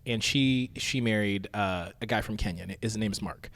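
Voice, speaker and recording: A man's voice: lowish voice, normal speed, in a large hall. A man from Tanzania chatting casually on a podcast, telling stories with lots of laughter. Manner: laughing, animated storyteller. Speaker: podcast co-host. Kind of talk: casual chat.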